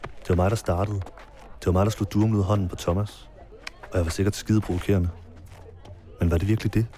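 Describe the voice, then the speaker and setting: A man narrating his own story in a quiet, measured first-person documentary style, with marimba music behind him. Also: low voice, fairly even intonation.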